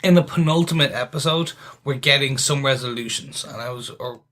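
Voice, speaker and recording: Man, bright forceful voice, earnest, podcast co-host, restarts sentences. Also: mid-range voice, brisk. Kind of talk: casual podcast review chat.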